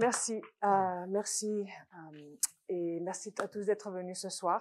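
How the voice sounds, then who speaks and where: Speaking very slowly with a Spanish accent, a woman uses a medium pitch and fairly even intonation, while her loudness swings widely. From Spain, Barcelona. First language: Spanish (speaking French). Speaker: economics professor. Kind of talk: lecture.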